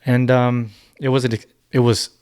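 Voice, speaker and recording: A young man in his twenties, raised in China and Taiwan, answering questions as a podcast guest in a thoughtful, halting way with many restarts. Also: mid-range voice, flat delivery, darkish tone, clear, resonant tone, no room sound, clean studio sound. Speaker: musician guest. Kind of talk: casual podcast interview.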